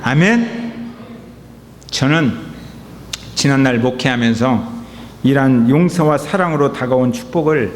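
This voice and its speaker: Animated man preaching in an echoing hall. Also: unhurried, long pauses. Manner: animated preaching, reading scripture aloud, calling for amens. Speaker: pastor. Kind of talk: sermon. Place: church sanctuary. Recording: reverberant hall with faint rumble.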